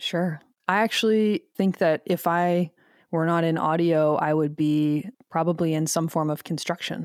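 A woman with an American accent has a normal speaking voice at a fairly low pitch and fairly even intonation. Her moderate pace and very even loudness come through on a very clean recording with a silent background. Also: dry, close sound with no echo. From US Midwest. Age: 30s. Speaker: audio mastering engineer. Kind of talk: casual interview.

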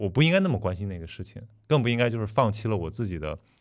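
Against a quiet background, a man talks at a very fast pace with a fairly low pitch. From northern China. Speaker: podcast host, social science and media background. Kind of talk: casual chat.

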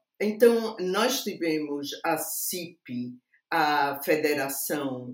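Room echo is audible around a woman's voice. Her pitch swings very widely. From Brazil, Recife (Pernambuco). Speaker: biblical archaeologist and professor. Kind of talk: podcast interview.

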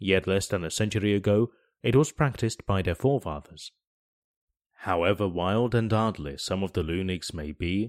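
Recorded with a dry, close sound and no echo, a man with an unremarkable speaking voice and a fairly low pitch talks at a fairly quick pace. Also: very clean recording, silent background. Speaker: voiceover reader. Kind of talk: audiobook reading of an 18th-century preface and essay. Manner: formal, measured, steady literary reading.

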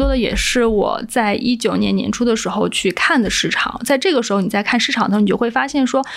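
Noticeable background noise sits under this recording. A woman with a high pitch speaks with lively intonation. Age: 30s. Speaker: venture capital investor. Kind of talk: casual chat.

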